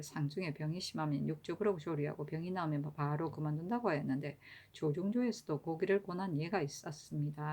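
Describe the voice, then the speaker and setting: A woman reading historical court annals aloud in a steady, even-paced, formal manner. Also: sits low. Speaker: reader of historical records.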